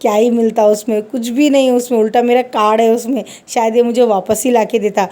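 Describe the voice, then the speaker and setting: A woman voicing an easygoing, gentle young male fashion designer in a told story, talking in a relaxed, chatty way. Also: fairly high pitch, fairly quick, close to an everyday voice. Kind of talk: storytelling narration.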